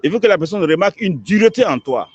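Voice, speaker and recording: A man's voice: sits high, expressive, quick pace, breathy edge, no echo. A man, an imam, answering questions in an emphatic preaching manner, repeating words as he builds each point. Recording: dull lo-fi recording.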